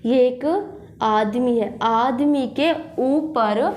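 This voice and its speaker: A young woman, teaching English grammar in a classroom style with a sore throat, repeating points and reading example sentences slowly. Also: fairly high pitch, a little mellow. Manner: repetitive, checks understanding with "thik hai". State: sore throat with a slight cough. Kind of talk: classroom lesson, explaining with examples.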